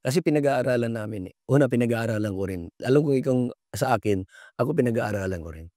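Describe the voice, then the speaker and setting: An older man, a veteran basketball referee, answering interview questions in a polite, halting way with many pauses. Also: mid-range voice, warm tone, dry recording, studio quality.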